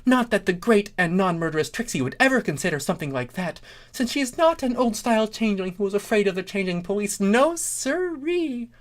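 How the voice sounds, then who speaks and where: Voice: medium pitch, sing-song, a little fast, hardly any pauses, pitched above the performer's own voice, close to an everyday voice. A performer voicing a grandiose, rambling female pony magician in a cartoon fan story. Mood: theatrical, boastful. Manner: grandiose, rambling, speaks in third person. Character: boastful, wordy, melodramatic female pony magician.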